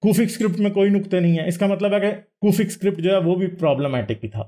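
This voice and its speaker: A man with a high, mellow voice talks through a livestream lecture, pointing at slides. He explains patiently and keeps asking listeners rhetorical questions. He corrects himself mid-sentence and drops English words into his speech. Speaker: livestream host. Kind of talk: lecture-style talk over slides.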